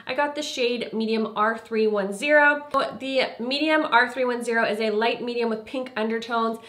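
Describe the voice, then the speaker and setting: A young woman reviewing a foundation in a casual vlog, congested and a little nasal, chatty with lots of fillers. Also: sits high. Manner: chatty, filler-heavy, trailing into quiet asides. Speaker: beauty vlogger. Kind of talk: casual product review and makeup demo.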